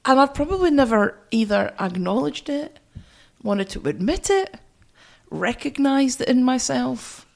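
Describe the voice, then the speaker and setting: A woman's voice: sits high, very animated, a little slow, vocal fry, darkish tone. A woman co-hosting a music podcast, chatting casually and giving opinions emphatically in short phrases.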